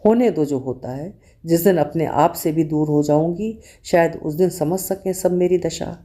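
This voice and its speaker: A woman's voice: low voice, measured pace, warm tone. A woman storyteller reading a first-person diary story in a reflective, confessional manner.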